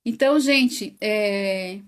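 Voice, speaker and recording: A woman with a Brazilian Portuguese accent hosting an online study livestream, chatting casually, greeting viewers one by one by name and laughing often. She says her voice is very loud. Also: mid-range voice, extremely slow, clear, resonant tone. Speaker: host of an online spiritist study.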